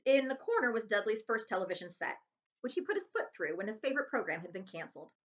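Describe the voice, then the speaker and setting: A woman reading a children's chapter book aloud as host, with expressive narration. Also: medium pitch, fast.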